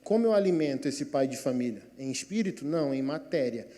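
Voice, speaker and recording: A Brazilian man voicing God as a calm, patient voice who explains slowly, in a sermon. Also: medium pitch, in a large hall, natural voice. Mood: calm teaching.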